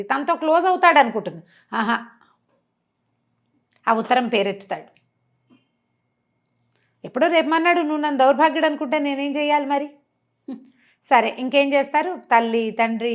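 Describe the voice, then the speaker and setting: Expressive woman storyteller with a higher-pitched voice. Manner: expressive, acts out characters' dialogue; mixes in English words. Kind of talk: conversational retelling of a novel's story.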